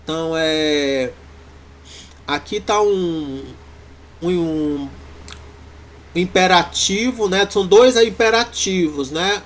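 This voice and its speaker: A man with a Brazilian Portuguese accent, teaching a university Greek class in a halting way, full of fillers and restarts. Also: high voice, fairly bright tone. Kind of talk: classroom lecture.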